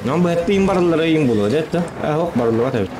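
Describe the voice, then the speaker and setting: Casting: male streamer, casual muttered commentary, lightly raised voice, swinging pitch, game noise behind. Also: expressive, fast. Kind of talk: casual live gameplay commentary.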